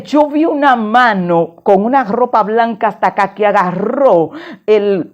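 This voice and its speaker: A middle-aged woman pastor, telling a dramatic sermon testimony and acting out the voices in it. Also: fairly high pitch.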